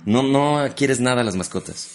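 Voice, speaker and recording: A man's voice: mid-range voice, moderate pace, a little hiss or hum. A young Mexican man co-hosting a comedy podcast, teasing and laughing often in casual chat. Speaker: podcast co-host.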